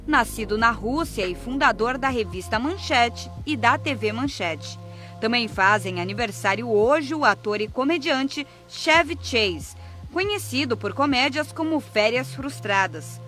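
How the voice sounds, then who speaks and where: A voice reading a scripted list of the day's birthdays in an even, formal manner. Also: mid-range voice, unhurried, soft background music. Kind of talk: scripted announcement.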